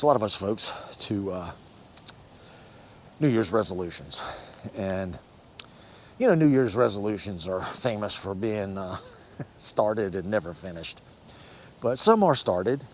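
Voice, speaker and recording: A man in his sixties from the United States hosts a fitness vlog, talking casually to camera in a rambling, encouraging way and often correcting himself. His voice is lowish, with a little hiss or hum in the audio.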